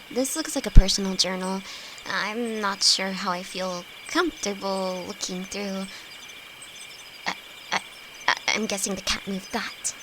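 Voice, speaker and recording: Timid, slow-spoken young alchemist girl, played by a woman, over crickets. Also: medium pitch, background noise. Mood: wary, curious. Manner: nervous, hesitant, stammering. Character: timid, easily frightened young female apprentice alchemist, affectionate best friend. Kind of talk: fantasy roleplay audio drama, intimate one-sided dialogue. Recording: night cricket and insect ambience throughout. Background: crickets and forest ambience.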